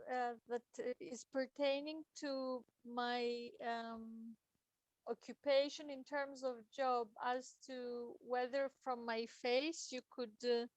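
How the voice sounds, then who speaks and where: A woman's voice: high voice, no echo. A woman whose first language is Greek, a participant on a video call, asking a question hesitantly with many fillers.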